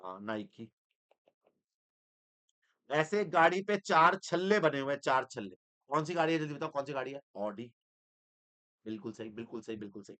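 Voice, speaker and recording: A man teaching accounting in an energetic, teasing lecture style, switching between Hindi and English. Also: mid-range voice, moderate pace, long pauses. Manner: animated, teasing, mixes Hindi with English terms.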